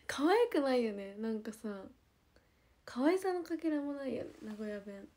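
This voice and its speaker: Young idol streamer, Nagoya accent, mellow higher voice, relaxed, soft trailing ends. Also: female voice, slow. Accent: Nagoya dialect. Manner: relaxed, chatty, trails off softly at phrase ends. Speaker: idol livestreamer. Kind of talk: casual livestream chat with viewers.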